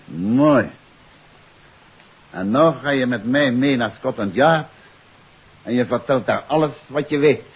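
An actor playing a self-assured, commanding detective in a 1950s radio drama. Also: male voice, medium pitch, slow, long pauses, slightly rough. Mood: brisk, commanding. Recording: muffled hissy 1950s radio recording.

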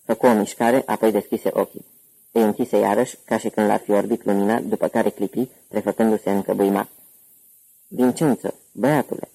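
A male audiobook narrator with a low, gravelly voice. His tone is dark and somewhat husky. He reads the scripted story at a steady, even pace. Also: rough recording.

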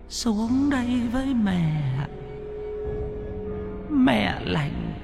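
A man voicing the ghost of an old mother, pleading in a slow, high, hushed voice. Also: creaky, exaggerated voice.

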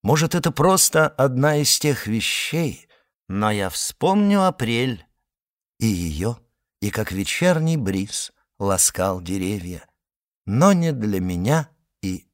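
A man's voice: fairly low pitch, sing-song, slow pace. A man voicing a gloomy, lovesick man who speaks in mournful, lyrical phrases.

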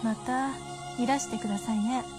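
An actress playing a refined, gently teasing wife who speaks in old-fashioned, polite feminine Japanese. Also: female voice, fairly high pitch, steady tone, normal speed, over music, close to an everyday voice. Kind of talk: radio drama acting.

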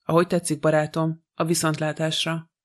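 A man reading the part of a calm, shrewd middle-aged detective in an audiobook, composed and dry. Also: fairly high pitch, natural voice.

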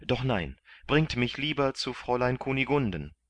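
A man voicing an earnest, excitable young hero who pleads eagerly in a raised voice in a storybook reading. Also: fairly low pitch, unhurried, dry recording. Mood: eager, excited.

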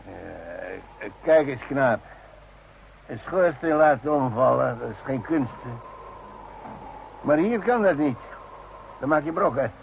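Creaky, deliberate old workman. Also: medium pitch, lively intonation. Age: older. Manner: hesitant, deliberate, muttering to himself. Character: old veteran demolition climber, stubborn, cautious and deliberate. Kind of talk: Dutch radio drama acting. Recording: dull, noisy old radio drama recording.

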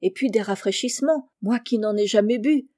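An eager poor country boy from a classic storybook, read by a woman. He speaks earnestly, in a warm, mellow voice. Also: mid-range voice, moderate pace, no room sound, studio quality, close to an everyday voice.

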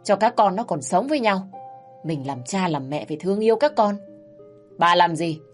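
A woman's voice: on the low side, expressive, moderate pace, lightly acted. A woman voicing a stern, fair-minded older father-in-law who speaks firmly and reproachfully. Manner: firm, reproachful. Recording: faint music underneath.

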